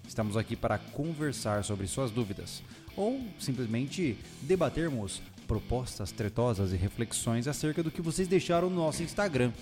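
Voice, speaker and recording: A man's voice: medium pitch, moderate pace, soft background music. Man talking in an echoey bare room. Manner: relaxed, joking, chatty. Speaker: podcast host. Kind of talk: casual podcast chat. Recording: long echo from a bare room.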